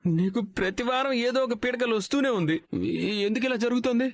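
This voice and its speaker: An actor playing a gullible superstitious young husband in a TV serial, complaining fretfully. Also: male voice, very high-pitched, a little fast, no room sound. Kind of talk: TV serial acting.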